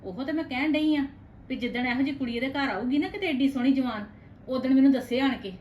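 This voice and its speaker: Woman acting as a touchy punjabi village matchmaker, high-ish voice, talks super fast and grumbly, echoey room. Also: a little mellow, slight background noise, close to an everyday voice. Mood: indignant. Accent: Indian Punjabi. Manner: indignant, complaining, fast-talking. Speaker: matchmaking neighbour. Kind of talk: village family drama acting.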